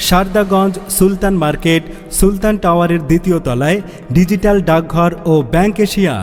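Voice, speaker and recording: A man reading a street loudspeaker advertisement in a loud, declamatory announcing manner. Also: high voice, a little fast. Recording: long reverb with music bed. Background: music.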